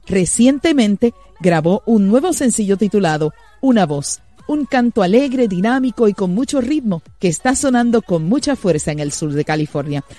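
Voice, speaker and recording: A woman's voice: medium pitch, dark tone, no echo. A woman hosting a Christian music program, reading a scripted guest introduction in an earnest, devotional manner. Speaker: radio host. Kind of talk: scripted introduction then interview.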